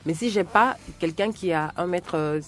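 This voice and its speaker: A woman guest on a radio talk show, talking casually and halting, repeating words as she searches for them. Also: on the low side, a bit bright, soft background music. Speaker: singer, studio guest. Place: radio studio.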